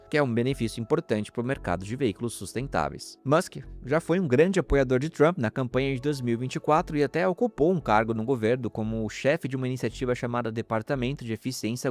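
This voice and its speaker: A man from Chile hosting a news podcast, talking in a chatty way and making asides to his listeners. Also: mid-range voice.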